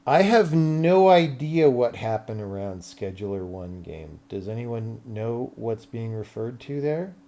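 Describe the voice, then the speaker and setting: A man's voice: medium pitch, expressive, unhurried, hardly any pauses, dark tone. A man live-streaming as a game developer, chatting casually and thinking aloud as he works, often muttering questions to himself. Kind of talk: casual livestream chat, thinking aloud while working.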